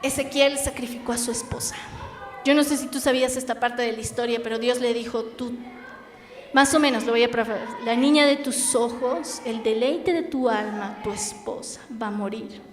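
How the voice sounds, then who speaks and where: A young woman with a Bolivian Spanish accent preaching a sermon in an earnest, emphatic way with dramatic pauses. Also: a little high. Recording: echoey hall with faint noise.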